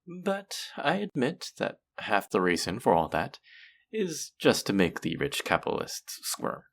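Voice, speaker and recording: A man playing a suave, pleasant supervillain in a scripted audio roleplay, speaking in a polished, measured, theatrical and amiable way. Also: lowish voice, wildly swooping pitch, gravelly, exaggerated voice. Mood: businesslike, proud. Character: suave, pleasant male supervillain interviewing a minion recruit. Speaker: voice actor. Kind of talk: scripted roleplay audio drama, conversational monologue.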